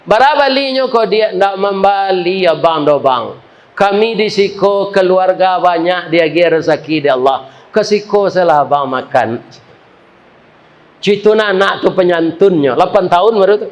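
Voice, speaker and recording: A man's voice: sits high, expressive, unhurried. A man with a Minangkabau accent preaching a humorous sermon, telling a story and making joking asides to the congregation.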